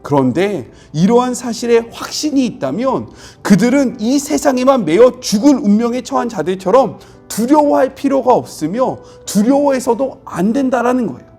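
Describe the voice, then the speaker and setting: A husky-voiced middle-aged man preaches in a lively, rising-and-falling way. He is a pastor explaining scripture earnestly, with faint music under his voice. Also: very high voice, normal speed, hardly any pauses. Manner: earnest, explanatory, acts out quoted speech with rising intensity. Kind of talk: devotional Bible sermon.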